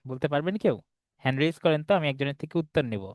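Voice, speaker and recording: Male teacher on a video call, patient, keeps checking students follow, slightly high voice, dry sound. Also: racing, a little mellow, no echo. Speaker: English teacher. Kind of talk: online class lesson.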